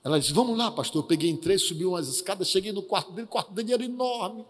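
A male pastor with a Brazilian accent telling a testimony in a sermon, lively, with acted quotes. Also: sits high, very fast, big-room sound. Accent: Brazilian Portuguese.

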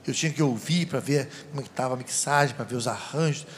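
A man preaching a sermon, telling personal stories to a live audience in an animated, laughing way. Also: mid-range voice, quick pace. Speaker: deacon preacher.

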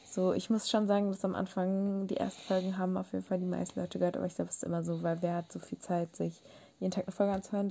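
A woman's voice: medium pitch, gravelly, warm tone. A tired young woman hosting a casual podcast, teasing her guest and laughing often, late at night from bed. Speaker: podcast host. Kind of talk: casual chat.

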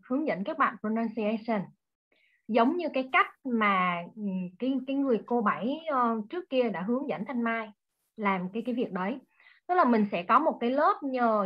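Woman tutor, highish voice, muffled call sound, lots of umms. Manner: friendly and instructive, with drawn-out fillers. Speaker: volunteer tutor. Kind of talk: casual talk on a video call. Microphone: video call. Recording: dull lo-fi video call audio.

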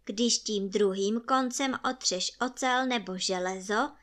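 A woman's voice: mid-range voice, fairly bright tone, lightly acted. A woman voicing a male spirit trapped in a bottle, who wails to be let out and then bargains with promises. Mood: grand. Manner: wailing, then coaxing and bargaining.

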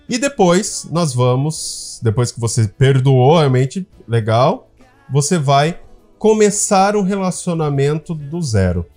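A man with a mellow, warm voice talks straight to his listeners like a coach on his own podcast. He slows right down on the words that matter and tags "tá?" onto his points. Soft guitar music plays faintly behind him. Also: medium pitch. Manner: earnest, coaching tone, slows down to stress key words, often adds "tá?" to check in. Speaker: podcast host. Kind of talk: advice podcast monologue.

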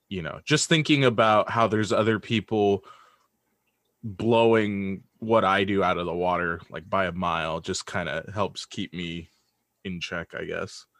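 A man's voice: low-pitched, a bit bright, no room sound, clean studio sound. A man being interviewed as a guest, speaking casually and reflectively in a hesitant, self-deprecating way. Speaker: interview guest, audio drama writer.

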